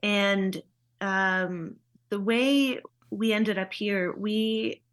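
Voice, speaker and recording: A woman in her early thirties, a missionary guest in an interview, recounting events in a steady, matter-of-fact way. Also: medium pitch, extremely slow. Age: 30s. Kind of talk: conversational interview.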